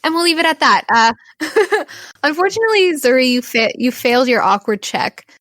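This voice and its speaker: A woman's voice: high voice, lively intonation, moderate pace, a bit bright, no echo. A woman hosting as game master, narrating an improvised tabletop game. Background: background music.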